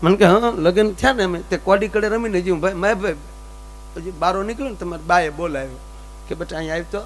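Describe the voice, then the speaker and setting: Speaking quickly in a high-pitched voice, this man performs Gujarati stage comedy, animatedly voicing both parties in each folk tale's dialogue. Slight background noise can be heard.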